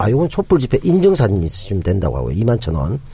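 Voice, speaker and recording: A somewhat breathy voice with a dark, mellow tone and very wide pitch swings. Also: man. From South Korea, Daegu region. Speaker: actor and podcast panelist. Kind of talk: casual political talk.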